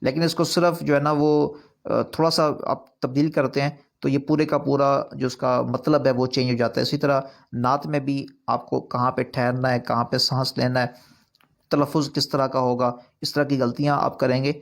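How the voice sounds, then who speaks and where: Gravelly-voiced man teaching a recitation class. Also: mid-range voice, little pitch movement. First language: not Urdu. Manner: earnest, repetitive explaining with rising emphasis. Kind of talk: online course lecture.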